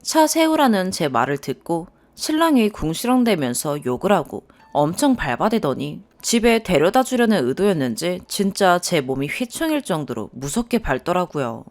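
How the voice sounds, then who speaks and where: A young woman reading a first-person story aloud as narrator, expressive and lively. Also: lowish voice, normal speed, few pauses.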